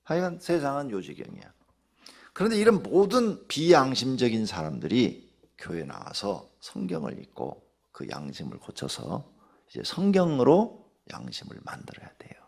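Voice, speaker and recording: A middle-aged male pastor preaches with a wildly lively pitch, swinging from low murmurs to high emphatic peaks. His voice is gravelly and a little husky, and he tells stories and fires rhetorical questions at the congregation. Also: normal speed. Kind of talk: dawn service sermon.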